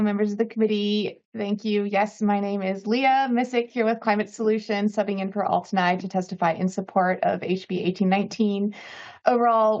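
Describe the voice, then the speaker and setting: A woman's voice: mid-range voice, vocal fry, darkish tone, highs cut off. A woman testifying for an advocacy group at a hearing, reading polished prepared remarks. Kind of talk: public testimony.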